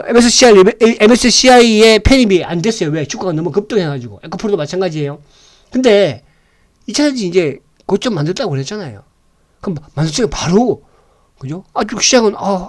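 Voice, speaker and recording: A man giving casual stock market commentary, bluntly, throwing rhetorical questions at his viewers and asking them to agree. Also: sits high.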